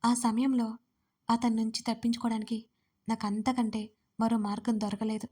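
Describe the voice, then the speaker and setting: A woman's voice: a little high, flat delivery, moderate pace, mellow. Woman narrating a romance story, evenly. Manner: narrates as the heroine, speaking her own lines in quotes. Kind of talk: first-person scripted narration of a romance serial.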